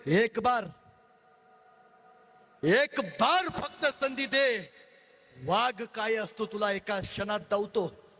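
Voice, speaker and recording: A man's voice: high-pitched, takes it slowly, long pauses, bright, forceful tone, heavily acted. A man voicing a defiant, loyal young Maratha soldier who talks in a pleading yet fiery way, in a hall with long reverb.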